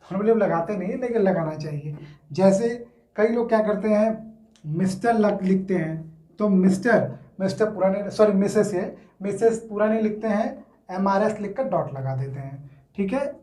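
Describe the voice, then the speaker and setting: A man explains English grammar in a casual Hindi-English classroom style, repeating himself and often checking with "theek hai" that listeners follow. His voice is high-pitched and warm, with lively intonation at a moderate pace. The recording has a roomy echo.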